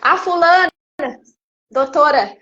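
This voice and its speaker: A woman, a guest giving an emotional personal testimony in an animated storytelling way. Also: very high-pitched, slow, muffled recording. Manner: animated storytelling, acting out quoted speech. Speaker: interview guest.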